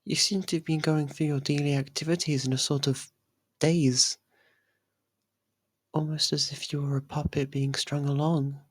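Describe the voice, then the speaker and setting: A performer voicing a possessive, lovestruck young faerie royal in an intimate ASMR roleplay, speaking softly and haltingly. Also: medium pitch, level tone, breathy edge, no echo, natural voice. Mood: tender, concerned. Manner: hesitant, halting, soft and pleading.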